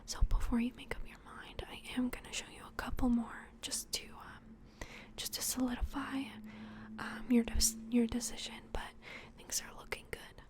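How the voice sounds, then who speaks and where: A woman whispers softly in a high-pitched voice. She speaks in a gentle, reassuring ASMR roleplay style, like an adoption worker giving one visitor personal attention. Her delivery stays hushed and unhurried. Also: level tone. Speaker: ASMR roleplay host playing a plush toy adoption worker.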